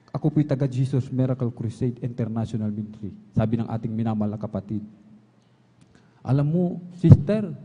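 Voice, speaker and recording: A man preaching a fervent sermon, repeating refrains and rising to shouts. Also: medium pitch. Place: large church hall. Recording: long hall reverb, dull lo-fi sound.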